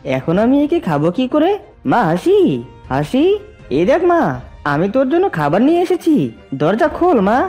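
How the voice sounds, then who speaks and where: A woman's voice: fairly high pitch, huge pitch swings, unhurried, long pauses, warm tone, husky, soft background music, heavily acted. A woman as a sly, swooping cartoon fox. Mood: coaxing. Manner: wheedling, scheming, swooping delivery. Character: sly scheming fox, falsely kind uncle, hungry for duckling. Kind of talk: children's cartoon acting.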